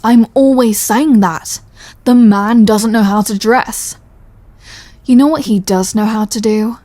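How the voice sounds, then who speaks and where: A woman performs a British female mob boss in an intimate audio roleplay. Her voice is soft-edged and relaxed, recorded very dry and close. She is wry and world-weary, yet protective and apologetic. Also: fairly high pitch, no room sound. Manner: dry, sardonic, sighing, exasperated. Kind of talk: ASMR audio roleplay, close scripted acting.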